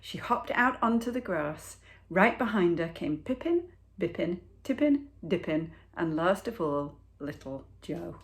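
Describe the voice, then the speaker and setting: A woman teacher reading a picture book aloud to children, with expressive, deliberate storytelling and dramatic pauses. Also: fairly low pitch.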